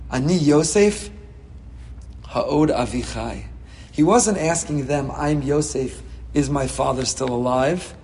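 A man giving a Torah class as a rabbi, reading Hebrew texts and explaining them with passion, swinging between soft and loud. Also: on the high side, long reverb tail. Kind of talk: Torah class on the weekly portion.

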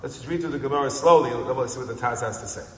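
Chanting rabbi in an echoey hall. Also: male voice, mid-range voice, rapid-fire. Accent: American Yeshivish English with Hebrew and Aramaic terms. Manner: animated, reads text in a singsong chant. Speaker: rabbi teaching a Talmud class. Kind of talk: Talmud lecture. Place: synagogue study hall.

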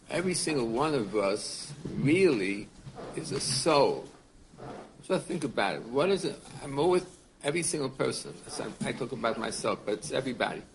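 A man in his seventies teaching a class as a rabbi, his voice carrying a gravelly edge. He talks in an earnest, unhurried way, circling back over his words and putting questions to the room. A faint hiss sits under the recording. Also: mid-range voice. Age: 70s. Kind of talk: casual torah class.

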